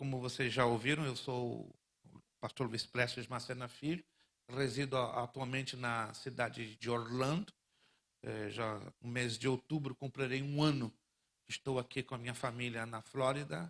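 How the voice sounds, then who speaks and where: At a fairly slow pace, a man speaks at a medium pitch with fairly even intonation and long, frequent pauses. The recording sounds dry and close, with no echo. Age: 60s. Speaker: guest pastor. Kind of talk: sermon.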